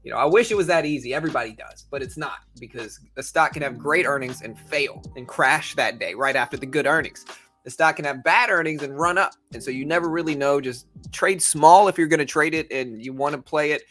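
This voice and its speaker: A man's voice: a little high, fairly quick, a bit bright. Casual male livestream host, music behind. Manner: conversational, informal, addresses viewers directly. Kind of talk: casual livestream chat with viewers.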